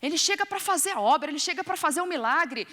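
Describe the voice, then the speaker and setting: A woman's voice: high voice, lively intonation, fast, pushed and bright, in a large hall. A woman with a Brazilian Portuguese accent preaching a sermon, questioning her audience and acting out voices.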